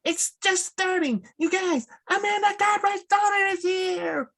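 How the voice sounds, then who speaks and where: A woman playing an awkward, eager young male horror-film fan in a screenplay table read, talking in a halting, rambling way. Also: very high-pitched, gravelly, fairly bright tone, full character voice. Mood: excited, protective.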